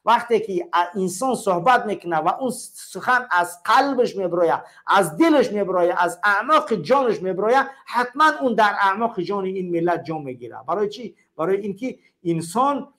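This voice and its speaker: A man with a Tajik accent hosts a political call-in show. His voice sits fairly high, and he delivers it like a sermon, stacking parallel phrases one after another. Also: animated, hardly any pauses, a bit bright. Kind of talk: preachy political call-in talk.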